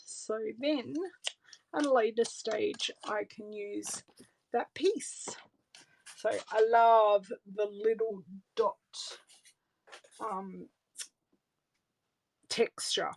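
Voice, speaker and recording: A woman's voice: a little high, creaky, slight background noise, low-quality recording. A middle-aged Australian woman demonstrating card making on a live stream, chatting casually and thinking aloud as she works. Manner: chatty, relaxed, thinks aloud while working. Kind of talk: live craft tutorial with viewer greetings. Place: home craft room, indoors. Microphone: overhead camera setup, hands on desk.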